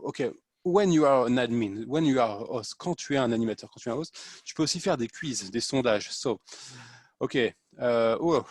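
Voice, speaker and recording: A man's voice: medium pitch, no echo, studio quality. Hesitant man. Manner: hesitant, many fillers and restarts, mixes French into English. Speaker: tutorial host. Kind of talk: casual screen-share tutorial. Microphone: video call.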